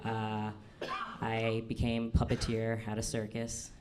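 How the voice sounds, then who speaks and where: Slow, halting trans man doing stand-up. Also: monotone, loud music behind the voice. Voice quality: fairly low, manly voice. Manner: self-deprecating, halting with many ums and uhs. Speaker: stand-up storyteller. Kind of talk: stand-up comedy storytelling. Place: comedy club stage. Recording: live club recording with audience noise. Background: audience laughter.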